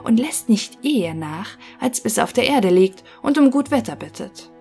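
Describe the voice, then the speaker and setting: Woman narrator doing a boastful young craftsman, storybook tone, soft music under. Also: on the high side, lively intonation, moderate pace, creaky. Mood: eager. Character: young male craftsman, proud and confident.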